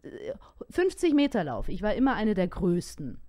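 A woman's voice: mid-range voice, normal speed, a crowd in the background. A woman in her forties from the Allgäu with a light Allgäu accent, co-hosting a casual podcast chat and telling stories with frequent laughter. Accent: Allgäu German. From Allgäu, southern Germany. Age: 40s. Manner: lively, laughs often, chatty storyteller. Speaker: podcast co-host.

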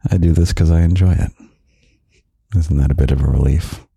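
A young man hosting a podcast of gentle, half-whispered comfort talk, slow and soft with quiet chuckles, close to the microphone. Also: rumbling low, steady tone, vocal fry, husky, no echo. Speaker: podcast host.

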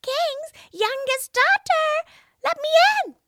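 A woman reading a storybook, voicing a small male enchanted frog who calls in a high, slow, drawn-out way. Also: animated, bright, forceful tone, dry recording, full character voice. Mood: pleading.

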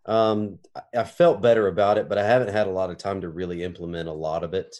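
A man's voice: deep voice, steady tone, fast talker, a little mellow. A man guesting on a casual podcast chat, earnestly reflecting on his training.

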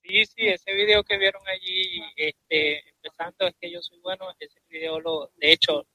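A man speaks as a guest on a live interview, hesitating often and pausing on fillers. His voice is very bright and fairly high. The sound is dry, with almost no room. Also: level tone, no room sound, rough recording. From Venezuela. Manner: hesitant, many fillers, laughs. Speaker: guest musician.

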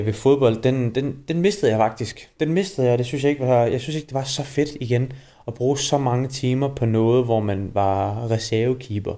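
Relaxed chatty Danish man in his 20s. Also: mid-range voice. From Denmark. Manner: relaxed, chatty, laid-back storytelling. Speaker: personal trainer and podcast host. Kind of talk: casual personal monologue.

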